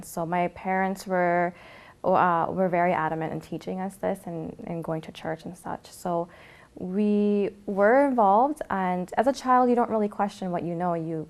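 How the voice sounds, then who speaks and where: A young woman from Canada calmly telling her personal story of faith, often pausing with fillers. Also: lowish voice. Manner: reflective, with frequent fillers. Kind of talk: personal testimony to camera.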